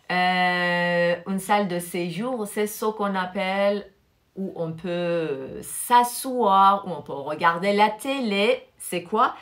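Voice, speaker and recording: A woman French teacher whose first language is Persian, giving a live online class and switching between French and Persian. She repeats each vocabulary word slowly and stresses its pronunciation. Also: fairly low pitch, fairly bright tone.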